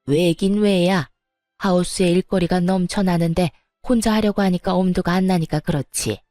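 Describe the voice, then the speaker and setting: A spiteful, sneering older mother-in-law, voiced by a woman narrator, drawling her scolding lines low and slow in a mellow tone. The storytelling sounds dry and close, with faint music underneath. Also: steady tone, dry recording, lightly acted. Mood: indignant. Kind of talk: storytelling narration with acted dialogue.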